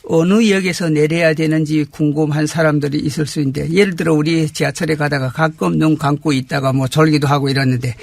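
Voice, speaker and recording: A man giving polite, measured explanations as a guest in a formal interview. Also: on the high side, fairly even intonation, gravelly, no echo. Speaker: interview guest, community representative.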